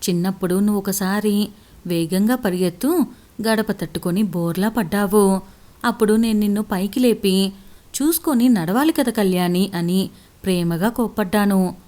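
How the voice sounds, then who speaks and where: A woman voicing a loving middle-aged mother who gently teases her husband. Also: medium pitch, moderate pace, lightly acted. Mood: teasing. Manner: gently teasing.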